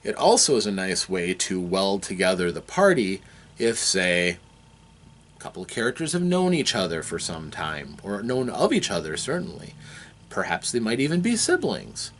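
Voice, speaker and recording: Male game master, slightly low voice, explaining off the cuff, deliberate and halting. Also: huge pitch swings, a bit bright, slight background noise. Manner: halting, deliberate, thinking aloud. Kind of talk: unscripted explanatory talk.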